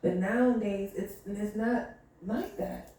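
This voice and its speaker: A woman's voice: medium pitch, fairly even intonation, slow pace, dark tone. Woman, 30s, podcast co-host, earnest casual chatter, distant mic, echoey room. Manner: earnest, repeats phrases, many fillers. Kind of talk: casual chat.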